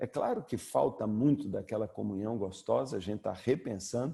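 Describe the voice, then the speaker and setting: At a fairly slow pace, a man speaks somewhat breathy in a dark, mellow tone with lively intonation. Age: 60s. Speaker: pastor. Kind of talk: lecture.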